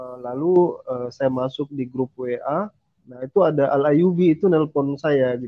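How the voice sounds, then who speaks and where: With big swings in loudness, a man at a fairly high pitch speaks at a fairly slow pace with ordinary pitch variation. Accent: Makassar. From Makassar, Sulawesi, eastern Indonesia. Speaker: Islamic preacher and debater. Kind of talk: casual interview.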